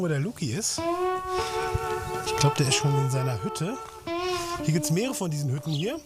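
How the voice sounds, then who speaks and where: A man in his thirties presenting a camping travel show, talking enthusiastically and exclaiming at what he sees. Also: fairly high pitch. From half Dutch, mother from Holland. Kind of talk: casual travel show chat.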